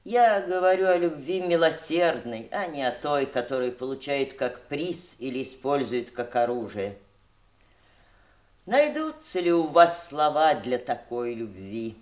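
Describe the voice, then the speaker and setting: An actress playing a worldly, twice-widowed middle-aged woman in a theatrical Russian audio drama, speaking with emphatic, deliberate eloquence. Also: extremely low pitch, sing-song, darkish tone, heavily acted. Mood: impassioned reproach.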